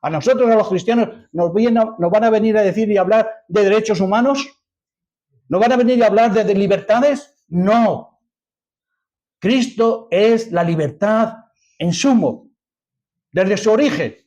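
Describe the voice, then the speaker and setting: Man, higher-pitched voice, accent from Spain, preacher, emphatic sermon delivery, rhetorical questions, slightly muffled lo-fi sound. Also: measured pace, a little mellow. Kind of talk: sermon, reading and expounding scripture to a congregation.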